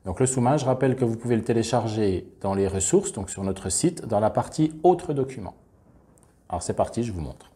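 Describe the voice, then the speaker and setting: A man calmly explaining, step by step, how a classroom reading and spelling activity works. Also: on the low side. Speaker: teacher explaining a reading method. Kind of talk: instructional demonstration.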